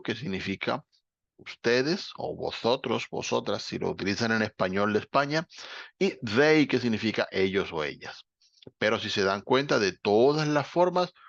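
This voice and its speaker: A male teacher with a gravelly, creaky voice walks through grammar patiently, pausing to check that students follow. The sound is dull and dry, like a lo-fi online class recording. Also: medium pitch, no echo. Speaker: English teacher. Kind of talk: explaining grammar in a class session.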